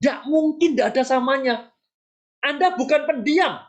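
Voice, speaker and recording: A woman's voice: high-pitched, unhurried. A woman speaking as a business mentor in a motivational sales training talk, emphatic and chatty, putting rhetorical questions straight to her listeners. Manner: acts out short sample dialogues.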